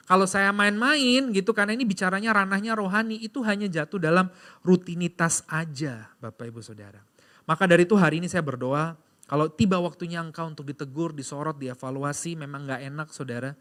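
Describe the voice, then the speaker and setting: A pastor preaching a sermon in a church, telling a personal story and calling out to the congregation, moving between loud emphatic stretches and quiet confessional ones. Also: male voice, fairly high pitch. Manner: lively storytelling, addressing the congregation as "Saudara". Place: church sanctuary.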